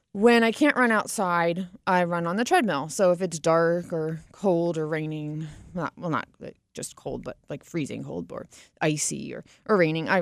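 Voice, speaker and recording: A woman's voice: low-pitched, dry recording, clean studio sound. A woman radio host and financial advisor talking in a chatty, casual way, laughing easily.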